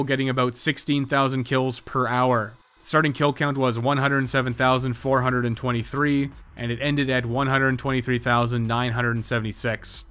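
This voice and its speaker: A man's voice: medium pitch, fairly bright tone. A man reading a scripted video game guide in an explanatory, matter-of-fact manner. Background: music.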